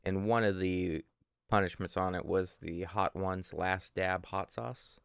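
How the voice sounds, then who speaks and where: A man's voice: low voice, steady tone, a little slow, creaky, clear, resonant tone, no room sound, studio quality. A young man co-hosting a casual podcast from his living room, telling stories in a rambling, self-correcting way. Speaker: podcast co-host.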